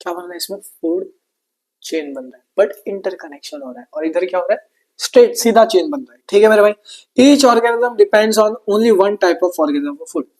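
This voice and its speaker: In an online exam-prep science lesson, a man teaches in a chatty, repetitive style, calling students brother and mixing in English with an Indian accent. His voice sits high, expressive and darkish at a normal pace.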